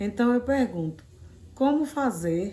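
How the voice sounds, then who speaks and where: A woman speaks at a very slow pace. Her tone is dark and mellow, somewhat breathy. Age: 60s. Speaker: viewer sending a question. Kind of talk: recorded viewer question.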